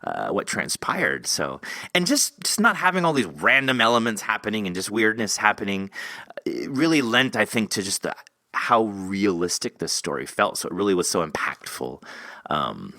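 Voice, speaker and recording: A man's voice: fairly low pitch, big pitch swings, normal speed, sharp tone, no room sound. A man hosting an interview in a casual, rambling, informal way, often padding his sentences with conversational filler. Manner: rambling, informal, peppered with "you know". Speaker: podcast host interviewing an author.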